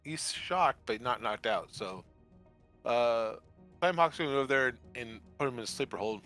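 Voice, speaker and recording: A man's voice: medium pitch, animated, normal speed, pushed and bright, faint music behind. A man playing in a tabletop game, easygoing and playful as he describes his hero's moves. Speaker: player. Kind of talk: casual tabletop play.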